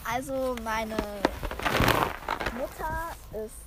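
A young woman in animated, casual chat with a friend during a game, laughing and quick to get excited. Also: sits high, very noisy. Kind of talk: casual chat while playing a drawing game.

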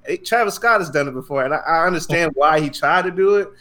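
A male co-host giving his opinions in a casual, measured way. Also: on the high side, sharp tone. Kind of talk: casual conversation.

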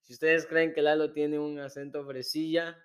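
A man's voice: a little high, flat delivery, normal speed, clear, resonant tone. A man co-hosting a Christian talk show in casual, chatty speech full of fillers. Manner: chatty, many fillers like "este", laughs often. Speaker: co-host of a Christian podcast. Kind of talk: casual chat.

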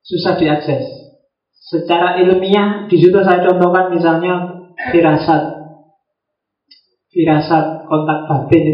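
A man giving a relaxed, joking philosophy lecture to a class. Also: a little high. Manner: joking, conversational, acts out little quoted exchanges. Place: classroom with students. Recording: roomy, dull lo-fi classroom recording.

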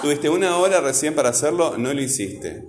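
A man's voice: a little high, animated, fairly quick, crowd noise. A man teaching a class, firm and insistent, often checking in with "¿verdad?". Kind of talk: classroom teaching and scolding a student. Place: school classroom. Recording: echoey classroom.

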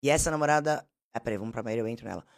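A woman with a Brazilian Portuguese accent, telling blunt, animated, slangy stories as a podcast guest. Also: very deep voice, very fast. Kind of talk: casual storytelling.

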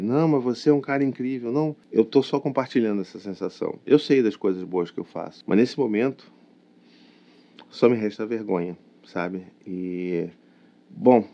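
A man's voice: sits low, dark tone. A man with a Brazilian Portuguese accent, a father talking to his camera in a personal, confessional vlog, reflective and hesitant, often adding tag questions. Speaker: father of young children. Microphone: talking to camera, self-recorded.

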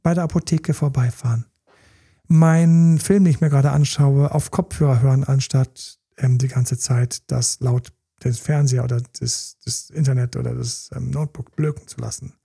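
A man's voice: medium pitch, fairly even intonation, moderate pace, gravelly, dark tone, husky. A man talking casually about relationships as a coach, who acts out partners' pleas in character and sometimes drops to a whisper. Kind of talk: casual podcast talk.

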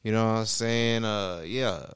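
A man guesting on a casual podcast, relaxed, often restarting and repeating himself. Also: fairly low pitch, unhurried, clear, resonant tone.

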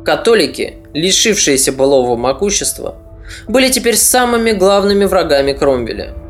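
Man narrating history over soft music. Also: high-pitched. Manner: steady, deliberate storytelling. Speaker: podcast narrator.

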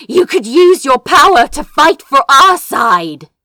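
A woman's voice: high-pitched, very animated, takes it slowly, pushed and bright, no echo, studio quality, pitched above the performer's own voice, exaggerated voice. Woman voicing a venomous, wheezing demon lady. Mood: gasping, urgent. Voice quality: breathy, wheezing, hissing. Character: venomous wheezing female demon sorcerer lord, defeated but defiant.

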